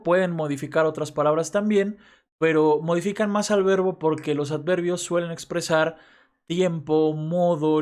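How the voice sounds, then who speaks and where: A man explains grammar in a relaxed, conversational way, often pausing to check that his listeners follow. His voice sits a little higher than most men's. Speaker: teacher. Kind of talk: casual grammar lesson.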